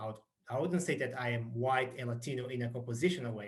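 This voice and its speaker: A man with a Brazilian accent sounds somewhat breathy. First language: Portuguese. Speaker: university lecturer. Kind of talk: conference talk. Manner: talkative, halting.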